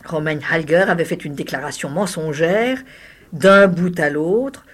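A woman reading a short story aloud in a measured, dramatic way, sometimes dropping to a near-whisper. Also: sits low. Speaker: reader.

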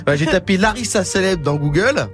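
A man with a high, bouncing voice delivers a comic radio news column, swinging his pitch all over as he jokes and chuckles at his own lines. Music plays under him in the studio. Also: fairly quick. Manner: jokey, laughing at his own gags, animated.

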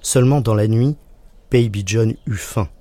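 A man reading a children's story aloud in a playful, lively way. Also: lowish voice, normal speed, no room sound. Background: music.

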